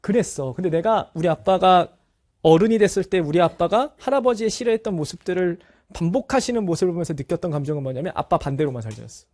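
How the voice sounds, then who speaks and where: A man's voice: high voice, fast talker, darkish tone. A middle-aged male teacher talking candidly to his students, telling a personal family story and speaking straight to them. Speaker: Korean language teacher. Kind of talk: talk to students.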